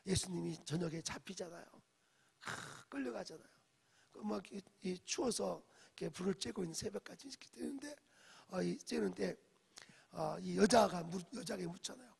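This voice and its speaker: Speaking at a moderate pace, this pastor has a high, gravelly voice that's a little mellow with a breathy edge. At a dawn service in an echoey sanctuary, he narrates the story, voices quoted lines, puts questions to the congregation, and drops in English phrases.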